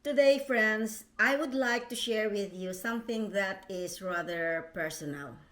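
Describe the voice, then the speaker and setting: A middle-aged woman from the Philippines, slowly and carefully reading a prepared personal statement as a vlog host. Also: mid-range voice, a bit bright. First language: Tagalog.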